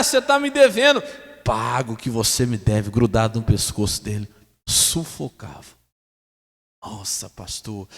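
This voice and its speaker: A man's voice: medium pitch, darkish tone. A man with a Brazilian Portuguese accent preaching a sermon as pastor, emphatic, putting questions to the congregation and swinging his voice up and down. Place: church hall. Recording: echoey hall reverb.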